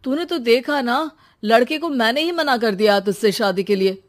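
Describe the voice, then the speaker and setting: A woman voicing a trusting young brother in a cartoon who talks softly and earnestly. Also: a little high, normal speed, close to an everyday voice.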